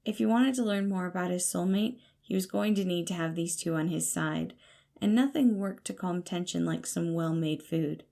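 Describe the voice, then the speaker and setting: A woman's voice: lowish voice, normal speed, vocal fry, mellow. A woman reading scripted fiction as the narrator of an audio story. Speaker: podfic narrator.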